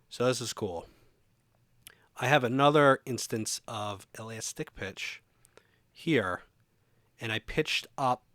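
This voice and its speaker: A man's voice: medium pitch, a bit bright, dry recording. A man presenting a music production tutorial in an informal, conversational way, explaining things step by step.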